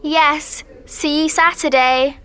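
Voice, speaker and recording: Friendly teen girl, high voice, super slow careful talk. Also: fairly even intonation, bright, forceful tone, dry recording, full character voice. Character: friendly teenage girl making plans. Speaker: voice actor in textbook audio. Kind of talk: scripted dialogue for learners.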